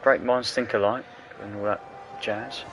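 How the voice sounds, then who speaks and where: A man doing casual, jokey commentary on an online racing league, full of quick asides. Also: on the low side, steady tone, music in the background. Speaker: race commentator.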